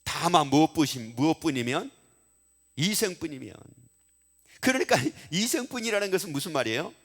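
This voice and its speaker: A man's voice: on the high side, big pitch swings, moderate pace, a bit bright, slightly rough. A male pastor preaching a Sunday sermon, repeating phrases for emphasis and putting questions to the congregation. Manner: leads the congregation in call-and-response. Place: church sanctuary. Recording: long reverb of a church hall.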